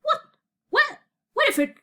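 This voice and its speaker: Woman doing a dotty old king god, burbly n blustery, posh, pitch jumping all over, storybook. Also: sing-song, takes it slowly, sharp tone, heavily acted. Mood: bemused. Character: bumbling, bemused old king of the gods.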